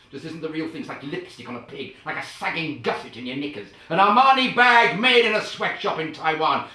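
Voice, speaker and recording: A man's voice: mid-range voice, close to an everyday voice. A man playing a pompous acting coach. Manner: theatrical, grandly enunciated, sudden loud outbursts. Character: pompous, self-important male acting coach. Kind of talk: comedy character sketch. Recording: very echoey, far from the mic.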